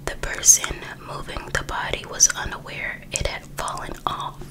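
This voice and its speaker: A woman with an American accent whispering breathily as she reads a book aloud in ASMR style, with casual asides. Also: normal speed. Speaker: ASMR host reading a true crime book aloud.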